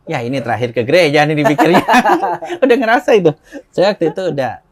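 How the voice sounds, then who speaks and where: Speaking a little fast and a bit high, this interview guest, an Indonesian man in his forties, shares a personal story casually. He performs the quoted lines loudly and laughs softly throughout.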